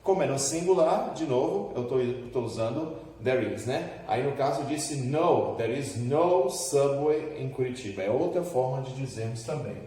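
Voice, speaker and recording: Brazilian teacher in an echoey classroom. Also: male voice, medium pitch, animated, moderate pace, few pauses, dark tone. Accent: Brazilian Portuguese. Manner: patient, explains step by step, checks with students often. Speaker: English teacher. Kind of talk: classroom lesson. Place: classroom with a board. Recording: echoey room, voice from far off.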